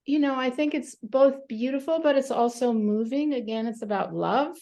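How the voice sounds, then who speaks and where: A woman from Romania, a psychotherapist answering interview questions thoughtfully over a video call, with many pauses and fillers. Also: sits high, warm tone. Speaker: psychotherapist guest.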